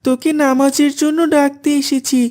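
A woman voicing an earnest high-voiced cartoon boy. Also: flat delivery, normal speed, darkish tone, natural voice. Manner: polite, dutiful. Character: earnest devout young boy student.

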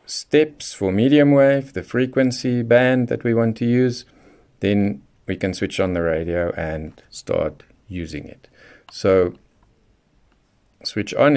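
Low-pitched man giving step-by-step instructions. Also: darkish tone. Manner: methodical, instructional. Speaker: presenter of a radio how-to guide. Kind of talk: hands-on product tutorial, explaining step by step.

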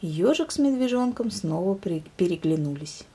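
A woman reading a children's story aloud in a calm, expressive manner. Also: fairly low pitch, moderate pace, husky. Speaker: reader.

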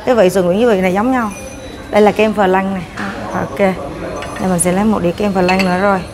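A woman's voice: mid-range voice, steady tone, fast, crowd noise. Chatty woman touring a buffet. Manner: chatty, narrating while serving herself food. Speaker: food vlogger. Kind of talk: casual walkthrough vlog. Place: hotel breakfast buffet room, indoors. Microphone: clip-on lapel mic. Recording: clinking dishes and cutlery behind.

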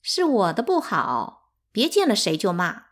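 A woman's voice: medium pitch, wildly swooping pitch, unhurried. A woman reading aloud, voicing a scheming middle-aged concubine who speaks slyly, with false sweetness.

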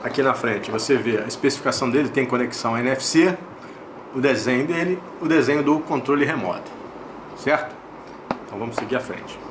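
A man's voice: mid-range voice, brisk, noisy background. A man with a Brazilian Portuguese accent hosting a casual product review, explaining step by step, repeating himself and checking in with little tag questions. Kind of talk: casual unboxing and review narration.

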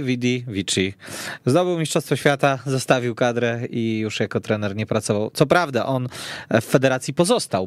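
A man hosting a sports radio discussion, speaking in deliberate, measured phrases. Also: medium pitch, no echo, studio quality. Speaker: podcast host.

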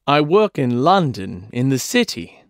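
Man, expressive pitch, slow clear lesson reading, dry close mic. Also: no echo. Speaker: dialogue reader. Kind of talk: scripted language-lesson dialogue.

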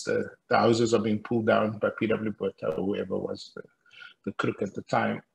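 An older man with a gravelly edge to his voice tells stories from his life in a lively, anecdotal way. He chuckles often as he speaks. He talks through a headset on a video call from his home. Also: lowish voice, low-quality recording. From South Africa. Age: 60s. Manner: animated, anecdotal, laughs often, gestures while talking. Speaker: guest speaker, professor. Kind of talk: storytelling interview on a video call. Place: room at home, indoors.

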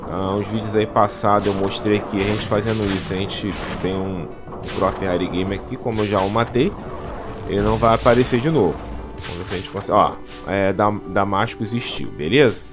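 A man's voice: on the low side, moderate pace, music in the background. Chatty Brazilian man narrating a game. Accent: Brazilian Portuguese. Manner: chatty, tacks on "tá?" after nearly every phrase. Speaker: gaming channel host. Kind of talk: casual gameplay walkthrough commentary. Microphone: voice-over commentary over game capture.

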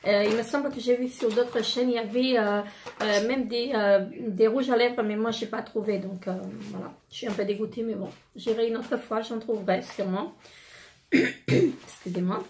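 A woman in her thirties with a slightly hoarse voice, chatting casually through a product haul with many fillers and pauses. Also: on the high side, steady tone, a little mellow, a little hiss or hum. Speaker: beauty vlogger.

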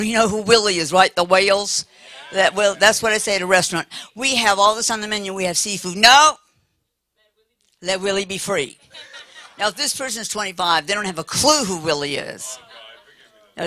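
An older American woman preaching a lively sermon with humor, talking in a big, animated, playful voice. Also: medium pitch.

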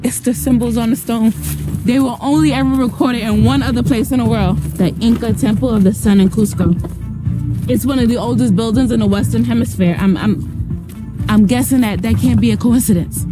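A woman's voice: on the high side, moderate pace, low-quality recording. A young woman explaining earnestly in a film soundtrack. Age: young adult. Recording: film soundtrack with loud music.

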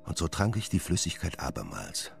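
Very deep, gravelly, sinister doctor. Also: male voice, sing-song, normal speed, faint music behind, full character voice. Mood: brooding, confessional. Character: brooding Victorian doctor with a sinister second self. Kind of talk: German radio play acting and narration.

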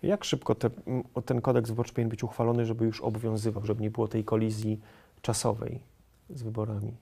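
A man's voice: fairly low pitch, monotone, fast, creaky, dark tone, slightly rough. A middle-aged man hosting a TV studio interview, asking long, winding questions. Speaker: TV host. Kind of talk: political TV interview. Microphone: lapel mic.

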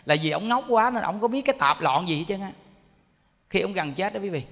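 A man's voice: high voice, expressive, brisk, fairly bright tone. A man giving a Buddhist sermon and telling a story, often asking the audience questions. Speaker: Buddhist monk teaching. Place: temple hall. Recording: echoey hall.

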